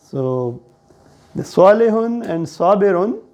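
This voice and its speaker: A man with a South Asian accent teaching a grammar lesson in a deliberate, explanatory way, often checking with questions. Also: high-pitched, animated, a little mellow. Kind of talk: classroom lesson on Arabic grammar.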